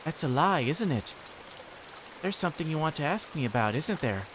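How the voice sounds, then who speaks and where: Man voicing an eerie, high-pitched insistent teenage girl. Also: sing-song, moderate pace, noisy background. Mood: insistent, coaxing. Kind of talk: visual novel character read aloud.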